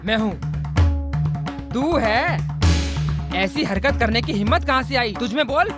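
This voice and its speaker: A man dubbing the bride's brother in a Hindi film dub, talking loudly and forcefully. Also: very high-pitched, lively intonation, measured pace, over loud music. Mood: emphatic. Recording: film dub with loud background score.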